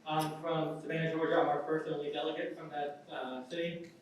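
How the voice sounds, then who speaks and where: A man's voice: fairly high pitch, fairly quick. A man born in Ecuador, a delegate in the audience, asking a short question with hesitant "uh"s. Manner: flat, hesitant with "uh" fillers. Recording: echoey hall from far off, faint noise.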